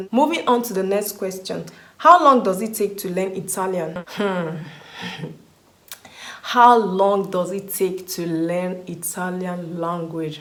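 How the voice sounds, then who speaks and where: A woman's voice: mid-range voice, roomy sound. A young woman from Nigeria with a Nigerian accent, answering viewer questions in a chatty vlog, often repeating words for stress. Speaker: vlogger. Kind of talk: casual Q&A vlog.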